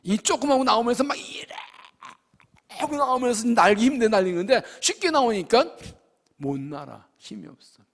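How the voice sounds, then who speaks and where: A man preaching a sermon as pastor, with sudden loud rises and soft drops, acting out pleading prayers. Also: very high voice, lively intonation, moderate pace, vocal fry. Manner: acts out prayers and quotes in a pleading voice. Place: church sanctuary. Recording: long reverb of a church hall.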